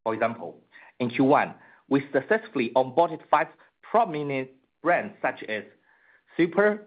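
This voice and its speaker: Phone-line sound, man, rough-edged voice, corporate executive, formal prepared presentation, measured delivery. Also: medium pitch, big pitch swings. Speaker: company executive. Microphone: conference call line. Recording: muffled narrowband conference phone line.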